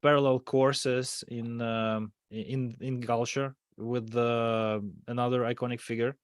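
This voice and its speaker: A man co-hosting a casual podcast, speaking in hesitant, halting phrases. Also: mid-range voice, level tone, clean tone, no room sound, clean studio sound. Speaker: podcast co-host.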